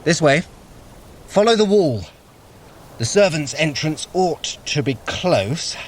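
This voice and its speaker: A man's voice: on the high side, expressive, a little hiss or hum. An actor playing a sly, sardonic male trickster god in an audio drama. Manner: sardonic, teasing, quick-tongued.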